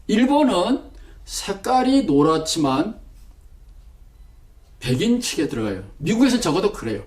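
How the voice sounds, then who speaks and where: A man from Gangwon Province, Korea, giving an online theology lecture and telling stories with lively acted-out quotes. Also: high-pitched. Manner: animated storytelling, acting out quoted remarks.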